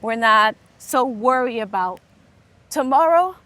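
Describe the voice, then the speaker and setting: Higher-voiced woman from Liberia. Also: animated, unhurried, a bit bright, dry recording. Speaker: guest, language teacher. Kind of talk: casual chat while walking. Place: outdoors in a city street.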